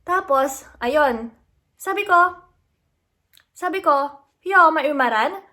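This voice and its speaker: Young woman vlogger from the Philippines, lively and indignant storyteller, voice sitting a bit high. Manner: animated, indignant retelling with quick asides. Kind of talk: casual storytelling vlog.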